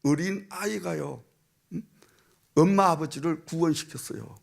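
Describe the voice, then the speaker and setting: Male senior pastor in church, animated storytelling sermon, voice a bit higher than most men. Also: unhurried, gravelly. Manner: storytelling preacher, acts out a child's and a minister's voices, frequent "응?" and "아멘". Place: church sanctuary.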